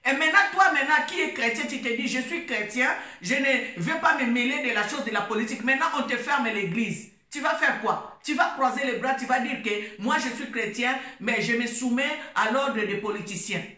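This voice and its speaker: A woman's voice: fairly high pitch, moderate pace, few pauses, bright, forceful tone, reverberant. A Congolese woman, a gospel singer, giving an impassioned religious talk, emphatic and repetitive, slipping between French and Lingala. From Democratic Republic of the Congo. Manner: emphatic, preachy, repeats phrases, mixes French and Lingala.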